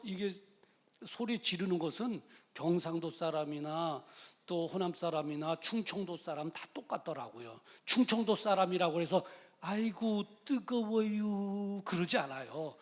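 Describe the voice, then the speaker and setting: Emphatic high-voiced pastor preaching in a hall. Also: male voice. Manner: emphatic, repeats key phrases, swings from loud to quiet. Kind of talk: sermon. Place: church sanctuary.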